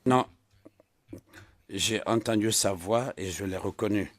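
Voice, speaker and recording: A man with a fairly low voice gives testimony in a courtroom. He answers firmly and keeps restating what he heard. His delivery is that of a witness under questioning. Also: slow pace, dry recording. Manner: insistent, repeats his answers. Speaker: trial witness.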